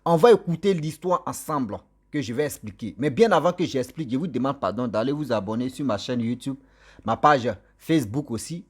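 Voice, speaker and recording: A man, not a native French speaker, tells a story to his viewers in a lively, repetitive, chatty way. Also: mid-range voice, brisk, husky. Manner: animated, repetitive, warm direct address to viewers. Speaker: storyteller vlogger. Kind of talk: casual spoken storytelling.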